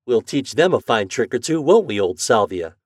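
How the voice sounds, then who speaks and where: An excitable young farm boy from a storybook, voiced by a man. He speaks in a raised, slightly husky voice that swings up and down, with rustic, folksy phrasing and eager exclamations. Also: medium pitch, normal speed, no echo, studio quality, voice pushed up. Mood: tender, cheerful.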